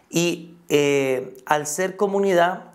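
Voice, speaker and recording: A man's voice with noticeable background noise. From Costa Rica. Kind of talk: interview answer.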